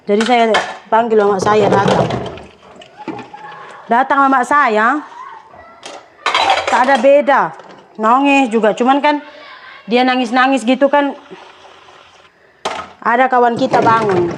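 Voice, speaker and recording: A woman's voice: on the high side, slow pace, long pauses, background noise. A tired young woman, chatting to her viewers in a rambling, storytelling way while doing chores at home. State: tired from a sleepless night. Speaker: vlogger. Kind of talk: casual chat to viewers.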